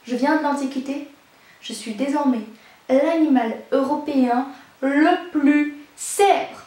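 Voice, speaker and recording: A woman voicing a proud ancient unicorn that introduces itself in a loud, grand, declaiming way, recorded in a very echoey room. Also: sits high, measured pace, far from the mic.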